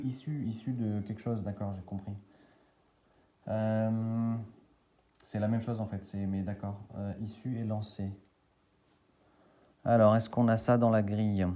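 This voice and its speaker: Slow low-voiced man thinking aloud. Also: mellow. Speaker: YouTuber scratching lottery tickets. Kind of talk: casual commentary while scratching tickets.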